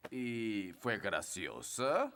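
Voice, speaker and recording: A man's voice: lowish voice, big pitch swings, very slow, fairly bright tone, a little hiss or hum, full character voice. An actor voicing a blustery, authoritative fairy king and father in a Latin American Spanish children's cartoon dub. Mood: scolding.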